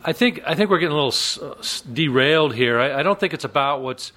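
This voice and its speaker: A man's voice: on the high side, lively intonation, fast, sharp tone. A man speaking earnestly at a public hearing, often repeating words as he thinks. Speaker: public commenter.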